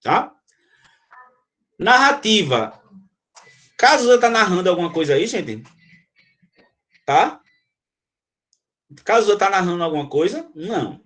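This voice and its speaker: A man's voice: high-pitched, very animated, a bit bright. Man teaching, checking in constantly. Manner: frequent checking questions to students; explains with quick examples. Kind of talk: classroom lecture.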